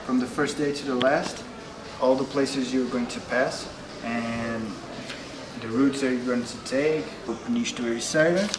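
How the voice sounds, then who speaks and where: A man's voice: medium pitch, steady tone, measured pace, reverberant, recorded from a distance, noisy background. A man, a tour guide, briefing travelers in a friendly, explanatory way.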